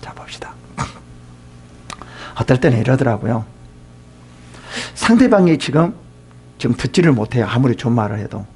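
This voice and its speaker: A man's voice: mid-range voice, animated, a little fast, pauses often, mellow, husky. A man pastor preaching a sermon at a seminar, asking his listeners questions and dropping into whispered asides. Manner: asks the congregation questions, drops to whispered asides.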